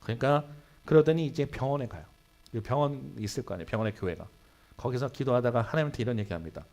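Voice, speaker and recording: A man preaching a Sunday sermon in a church, telling a story with sudden swings between loud and hushed delivery. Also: medium pitch, fast, vocal fry. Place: church sanctuary.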